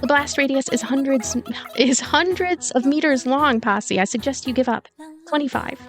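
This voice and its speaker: A woman's voice: high voice, normal speed, lightly acted. A woman voicing a matter-of-fact, coolly technical young woman driver in a visual novel game, explaining in precise, formal terms. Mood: urgent, factual. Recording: music behind the voice.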